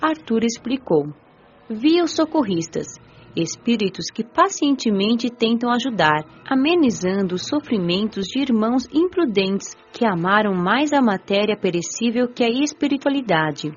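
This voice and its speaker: A woman playing a gentle, devout young spirit who recounts the afterlife in measured, reflective radio drama narration. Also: on the high side, expressive, husky, dull audio. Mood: reflective, serene. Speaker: narrator and lead of an audio drama. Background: music.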